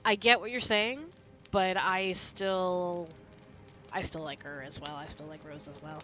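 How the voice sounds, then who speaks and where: A woman's voice: on the low side, fairly even intonation, measured pace, a bit bright, slight background noise. A woman chatting casually with her live viewers while sick, rambling and laughing easily. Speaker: streamer.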